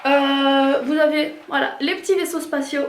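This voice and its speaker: Chatty high-voiced French woman. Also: steady tone, normal speed. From France. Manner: chatty, hesitant with many fillers. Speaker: vlogger. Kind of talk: casual product haul chat. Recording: echoey room, faint noise.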